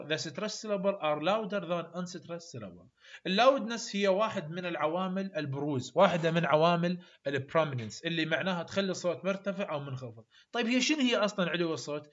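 A man with an Iraqi accent lecturing in a high, bright voice and hammering his points home through repetition. The recording sounds dull and lo-fi. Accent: Iraqi Arabic. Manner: repetitive, emphatic, mixes English terms. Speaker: university English tutor. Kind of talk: lecture explaining phonetics.

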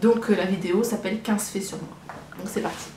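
This young woman, in her early twenties and from Brittany, France, introduces herself to camera as a vlogger, chatting casually from a small living room at home. Her mid-range voice is dark in tone and fairly quick, and she rambles, hesitates and repeats herself. A compact camera on a tripod about a metre away catches the echoey room along with clear background noise.

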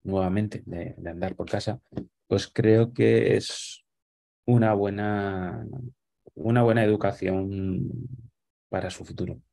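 Guy in his 40s, deep and mellow, lots of ehs and restarts, webcam call. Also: steady tone, takes it slowly, creaky. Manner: thoughtful, explaining with many fillers and restarts. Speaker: guest. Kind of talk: casual conversation on a video call. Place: small room at home. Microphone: webcam on a video call.

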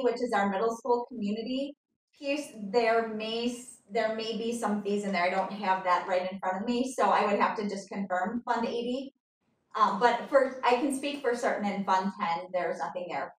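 A woman on district staff explaining budget figures at a school board meeting, careful and hedging, with many pauses and ums, heard over a video call. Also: on the high side. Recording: echoey distant video-call audio.

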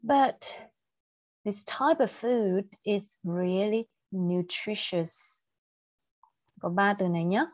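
A young woman teacher with a Vietnamese accent leads an online IELTS class, mixing Vietnamese and English and quizzing her students. She speaks slowly and deliberately. The sound is dry and a little muffled. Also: mid-range voice, dry recording. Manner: mixes Vietnamese and English, asks students questions. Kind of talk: livestream English lesson.

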